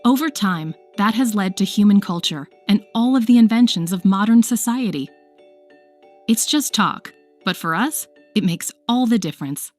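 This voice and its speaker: Woman, mid-pitched voice, scripted educational narration, faint music underneath. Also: animated, moderate pace. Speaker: video narrator. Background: soft background music.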